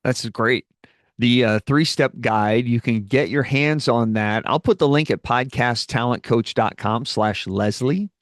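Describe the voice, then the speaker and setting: A man hosting a podcast interview who talks in a relaxed way, with frequent ums and uhs. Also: medium pitch, measured pace, no room sound, studio quality. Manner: relaxed, hesitant with many fillers. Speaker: podcast host.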